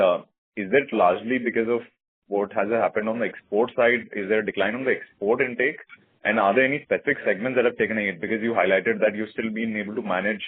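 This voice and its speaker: Male analyst, low and fast, polite and structured, over a narrow phone line. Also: husky, dry recording. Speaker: financial analyst asking questions. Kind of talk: earnings call questioning.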